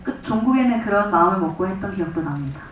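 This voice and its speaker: A woman actress answers panel questions in a measured, thoughtful way. Her mid-pitched voice sounds distant, with heavy hall echo and faint noise behind. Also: expressive. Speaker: actress at a press conference. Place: large cinema hall. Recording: echoey hall from far off.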